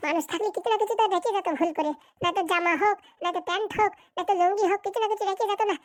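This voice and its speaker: A domineering village schemer in a comic cartoon, with an extremely high, childlike pitch and a rapid-fire rural Bengali accent. She scolds and blusters in a foul temper, recorded close and dry. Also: fairly even intonation, dry recording. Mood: dismissive. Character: bossy, foul-tempered, scheming village woman with political ambitions. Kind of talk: comic cartoon voice acting, colloquial dialect.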